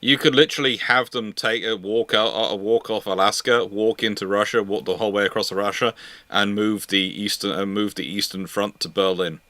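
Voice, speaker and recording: A man's voice: fairly low pitch, steady tone, moderate pace, sharp tone, no echo. A man hosting an informal question-and-answer chat, often stammering and repeating words as he gets going. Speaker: host answering viewer questions. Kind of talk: live question-and-answer chat on naval history.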